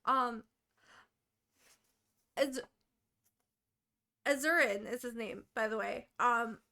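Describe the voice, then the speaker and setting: Bright, high-voiced woman swearing freely. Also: slow pace. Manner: profane, animated book recap. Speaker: podcast co-host. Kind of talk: casual chat.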